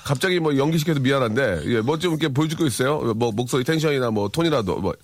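A man hosting a live broadcast, joking and teasing guests in a bantering way. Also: medium pitch. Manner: teasing, joking, fast and animated. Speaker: live show host.

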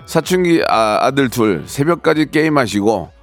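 Lively playful male radio DJ. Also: mid-range voice, normal speed, faint music behind. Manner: playful, mock-angry outbursts reading listener stories. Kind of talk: live radio show hosting. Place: radio studio.

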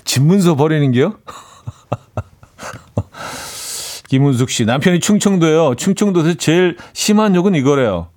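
A male radio host talks in a relaxed, chatty way as he reads out listener messages. He laughs often and slips into playful imitations. The sound is clean and close, from a studio microphone. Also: a little high, unhurried, pauses often. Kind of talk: casual radio chat reading listener messages.

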